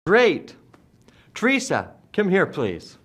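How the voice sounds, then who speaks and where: Man, teacher from the United States, very slow drilling, animated pitch, repeats words for students. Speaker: English teacher.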